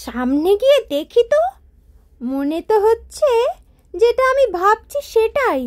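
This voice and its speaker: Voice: extremely high pitch, big pitch swings, unhurried, heavily acted. A performer voicing a boastful, overconfident hare in a children's cartoon, talking in a smug, mocking way. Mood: curious, delighted. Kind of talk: children's moral-story cartoon dialogue.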